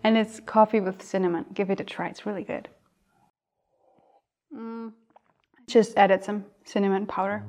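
A young woman with an Austrian German accent talks through her show in a chatty, unscripted way, often pausing, restarting and correcting herself. Her pitch sits in the middle range for a woman, and faint music plays behind her. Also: steady tone, darkish tone. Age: young adult. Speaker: host. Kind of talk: casual unscripted talk show.

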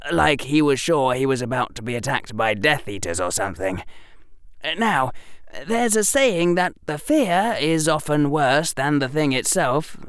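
A reader playing a precocious young boy wizard in an audiobook, his voice pitched well above the reader's own and swinging up and down in lively, expressive arcs. He lectures in a smug, deadpan tone, as if every outrageous act were perfectly reasonable. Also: measured pace, clean tone, no echo, studio quality, natural voice. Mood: explaining. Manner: lecturing, mock-villainous, deadpan. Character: clever theatrical eleven-year-old boy wizard. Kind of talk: audiobook reading.

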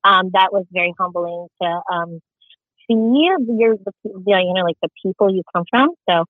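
A woman's voice: mid-range voice, normal speed, no room sound. A woman in her thirties, a shop owner whose first language is Tagalog, chatting as an interview guest with many "um"s. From Arizona, USA. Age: 30s. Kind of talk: casual interview chat. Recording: tinny phone-line audio.

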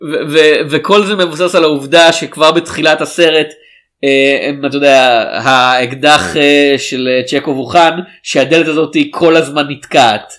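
A man co-hosts a casual film podcast. His voice sits a little high, and he rambles animatedly, often restarting his sentences and throwing in "you know." The talk is unscripted and conversational. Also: steady tone, fairly bright tone. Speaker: podcast co-host. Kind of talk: casual film review chat.

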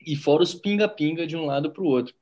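A man from Brazil hosting a casual interview, talking in an animated, chatty way. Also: on the high side, fast talker, highs cut off. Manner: animated, chatty, frequent "né?" and slang.

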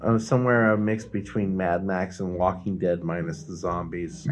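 A man's voice: low voice, flat delivery, moderate pace, soft background music. A man co-hosting a podcast, chatting casually in a rambling, explanatory way and swearing now and then. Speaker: podcast co-host. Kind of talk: casual chat.

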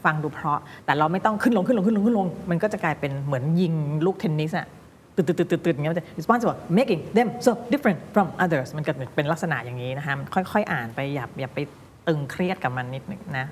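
Pronunciation teacher lady, low pitch, models each word slowly then rattles off tips, faint noise behind. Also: lively intonation. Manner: corrects and models words slowly, then explains fast. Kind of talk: pronunciation coaching. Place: recording studio.

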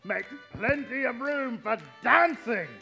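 A man's voice: extremely high pitch, slow, creaky, bright, forceful tone, heavily acted. A man playing a jolly, boisterous old warehouse master in a stage radio play. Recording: live stage recording, music underneath.

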